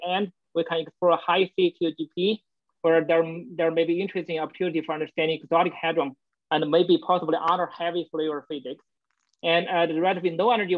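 A man presents a science lecture over a video call, pausing often with fillers as he works through his slides. His voice sits somewhat high for a man. The sound is dull and dry. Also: dry recording. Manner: halting, many fillers like "uh, you know". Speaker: guest speaker. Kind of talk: academic colloquium talk over video call.

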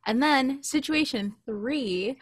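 A woman's voice: sits high, slow pace, breathy edge, no room sound. An American woman in her late twenties chatting casually as a podcast co-host, telling personal stories into a close studio mic. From California, United States. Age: late 20s. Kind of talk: casual chat, personal anecdotes. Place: small indoor home recording setup. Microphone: close studio mic with pop filter.

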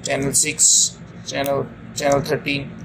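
A man talks through a hands-on demonstration in a creaky, fairly monotone voice. He goes haltingly, often restating his phrases. The amateur phone recording has clear room noise behind him. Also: mid-range voice. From India. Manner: halting, repeats and rephrases himself. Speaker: ship officer giving an equipment tutorial. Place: indoors at a chart table aboard ship. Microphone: handheld phone camera mic. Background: steady room noise.

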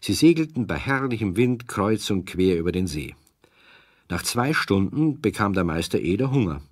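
A man narrates a children's radio play as a storyteller. His voice is on the low side and husky, recorded dry and close. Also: sing-song, normal speed, no room sound.

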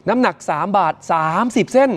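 A man presenting morning news, retelling events in a lively, chatty way and addressing viewers directly. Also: fast talker.

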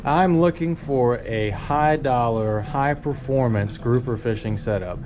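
A man's voice: mid-range voice, a little slow, noisy background. A man hosting a casual fishing gear vlog, chatting with enthusiasm about rods and hooks in a tackle shop. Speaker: fishing charter captain and channel host.

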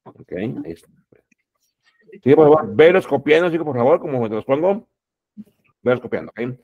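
A man teaching a class, repeating each word and its translation, calling out words loudly and then dropping his voice. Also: medium pitch, expressive, moderate pace, phone-quality sound. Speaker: English teacher. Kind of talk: classroom lesson.

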